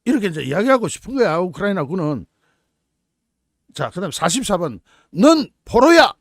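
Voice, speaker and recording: A man's voice: high voice, very animated, brisk, vocal fry, no echo, clean studio sound. A man hosting his own channel, commenting on the news in a mocking, incredulous way. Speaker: political YouTube channel host.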